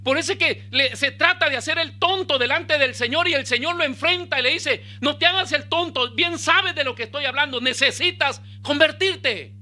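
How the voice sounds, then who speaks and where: A male pastor, preaching a sermon with bursts of emphasis and quiet low asides. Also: moderate pace, few pauses.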